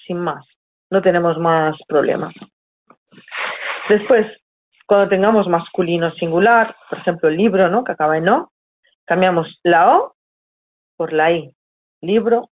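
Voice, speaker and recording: With a voice on the low side, a teacher from Spain gives her students a patient explanatory lesson. She keeps asking if they're with her and fixes her wording partway through sentences, all heard over tinny, phone-like audio.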